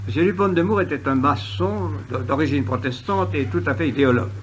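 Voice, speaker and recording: A man giving a history lecture in an oratorical, emphatic way, with pointed pauses and ironic asides. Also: a little high. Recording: noisy old lecture recording with clicks.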